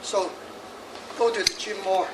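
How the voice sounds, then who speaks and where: A man in his sixties, working as a feng shui master, gives a jokey, lively lecture in a hall, laughing frequently and chatting between points. His high voice has fairly even intonation and a slightly slow pace, captured from a distance in echoey, noisy audio.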